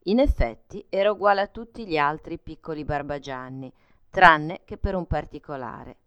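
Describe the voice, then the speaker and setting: A woman reads a children's picture book aloud in a calm, gentle, measured way. Her voice is low and smooth. The sound is dry and close, with no room echo. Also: lo-fi sound. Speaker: storyteller.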